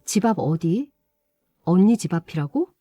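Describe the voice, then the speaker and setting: A woman's voice: fairly low pitch, big pitch swings, a little slow, warm tone, no room sound. A woman acting a chatty, tattling younger relative in radio drama style. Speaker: storyteller voicing a gossiping younger relative.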